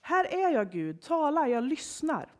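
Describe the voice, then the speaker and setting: Woman voicing a high, loud, bright young boy, eager, in a storytelling sermon. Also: big pitch swings. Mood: attentive. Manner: calls out loudly and brightly.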